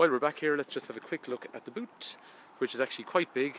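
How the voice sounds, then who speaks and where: A man speaks with ordinary pitch variation. The sound is dry with no echo, over light background noise. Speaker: car salesman. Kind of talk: walkaround sales commentary. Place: street. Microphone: phone near.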